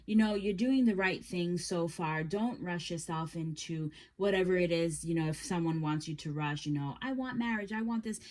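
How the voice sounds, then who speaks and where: Soft-spoken woman giving a tarot reading. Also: lowish voice. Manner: meandering, halting, with many fillers and restarts; gentle, reassuring second-person advice. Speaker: tarot reader. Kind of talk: casual tarot reading to camera.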